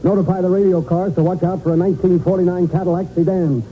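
An actor playing a hard-nosed homicide sergeant in a 1940s radio drama, clipped and commanding. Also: male voice, sits high, fairly even intonation, quick pace, lightly acted. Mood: brisk command. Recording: tinny, noisy 1940s radio recording.

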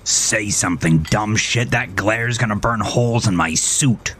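A man's voice: lowish voice, measured pace, a bit bright. A man performs a gaunt, crude imaginary friend for an audio drama. He is scornful and exasperated, hissing and snarling his needling jibes.

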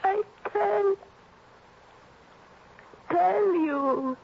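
An actress playing a delirious, dying young woman, crying in a weak, breathy, halting voice. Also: extremely high pitch, heavily acted. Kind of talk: 1960s radio drama acting. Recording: muffled old radio broadcast with hiss.

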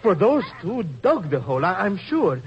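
A man's voice: sits high, very animated, moderate pace. A man playing a cautious, reasoning father with formal, stagy phrasing in a 1940s radio drama. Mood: excited. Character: cautious, reasoning father hunting pirate treasure. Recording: dull, noisy 1940s radio recording.

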